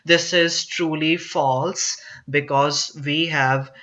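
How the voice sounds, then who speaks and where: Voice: medium pitch, fairly even intonation, takes it slowly, sharp tone. A teacher explaining exam reading answers line by line, restating the text with many fillers and restarts. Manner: repetitive, paraphrases text with fillers.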